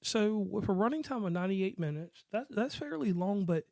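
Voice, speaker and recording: A man co-hosting a casual movie review podcast, talking in a relaxed, rambling, joking way. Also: sits high, moderate pace, gravelly, no echo. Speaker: podcast co-host.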